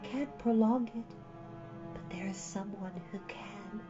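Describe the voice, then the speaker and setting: A man voicing a serene, resolute childlike empress from a fairy-tale storybook, in a soft, light, hushed voice with calm, measured delivery. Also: high voice, highs cut off, music in the background, pitched above the performer's own voice.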